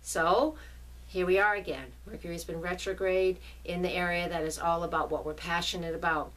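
A middle-aged astrologer with a New England accent talks casually in a lowish voice, often pausing to check in with her listeners. She sits a little back from the mic, so the voice sounds slightly distant. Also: fairly even intonation, a bit bright. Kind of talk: casual forecast video.

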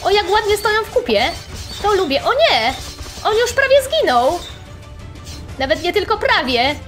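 A young woman commentating her own online game playthrough, chatty and excitable, talking straight to her viewers and making playful sound effects. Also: very high-pitched, normal speed, faint music behind. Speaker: gaming channel host. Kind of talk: playful let's-play commentary.

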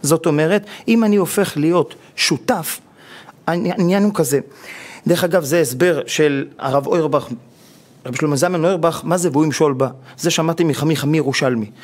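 A rabbi on a TV talk show explaining marriage advice and acting out quoted husbands and wives as he tells stories. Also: on the high side. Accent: Israeli Hebrew. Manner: animated storytelling, acting out quoted spouses. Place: television studio.

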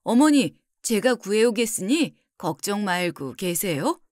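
A woman's voice: mid-range voice, very animated, measured pace, a little mellow, no room sound, studio quality. A woman voicing a devoted young son who pleads earnestly with his mother. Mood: eager.

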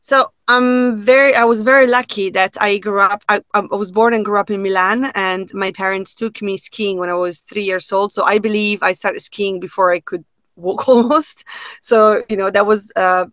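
A woman in her thirties speaks English with a clear Italian accent, chatting casually over a video call. She rambles with fillers like "you know" and "like" and restarts her sentences. The sound is dry and close, her pitch sits in the middle. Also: steady tone, moderate pace, fairly bright tone, no echo. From Italy. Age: 30s. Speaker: podcast guest. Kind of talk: casual chat. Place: home room.

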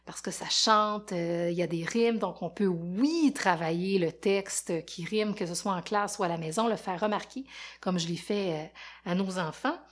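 A woman, a teacher, reading a rhyming picture book aloud to children with a lively, rhythmic delivery and questions for her listeners. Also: lowish voice, normal speed. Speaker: teacher and storyteller.

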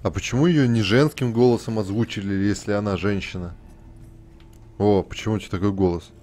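Low-pitched man, crude gaming commentary. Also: fairly quick, darkish tone. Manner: crude, heavy swearing, mocking. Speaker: gamer commenting on playthrough. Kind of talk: casual game commentary.

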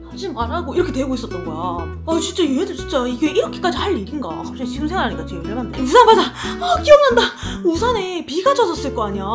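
A young woman telling a story in a casual vlog while doing her makeup, lively and acting out quoted lines. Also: sits high. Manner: animated, acts out quoted lines. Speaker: beauty vlogger.

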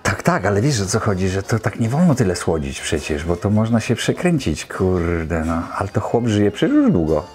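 A man's voice: fairly low pitch, big pitch swings, normal speed, hardly any pauses, a little mellow, slight background noise. A man in his fifties giving casual, exclamatory, colloquial commentary as a host reacting to clips. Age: 50s. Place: small indoor home studio.

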